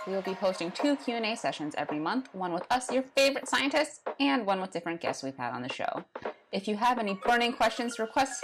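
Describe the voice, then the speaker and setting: A woman co-hosting a podcast, speaking in a friendly, conversational way as she presents the episode. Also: mid-range voice. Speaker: podcast co-host, health scientist.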